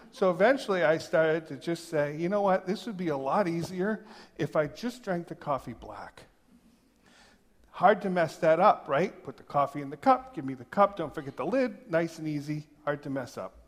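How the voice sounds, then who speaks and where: Joking pastor in a reverberant sanctuary. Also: male voice, on the high side. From New Hampshire. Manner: conversational and joking, reads quotes slowly. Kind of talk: sermon with personal stories. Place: large church sanctuary. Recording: long reverb of a big hall.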